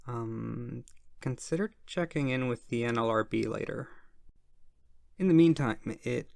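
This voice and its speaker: Shy flustered tax agent as an ASMR performer acts it, soft-spoken, hesitant, gravelly fry, very dry close recording, roleplay. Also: medium pitch, dry recording. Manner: hesitant, halting, stammering. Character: shy, flustered, awkward IRS auditor.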